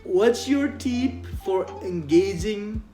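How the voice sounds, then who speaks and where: A man's voice: high-pitched, expressive, slow, warm tone, roomy sound, faint music behind. A young man, a study abroad student chatting animatedly and laughing often in a casual Q&A. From Indonesia. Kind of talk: casual Q&A chat.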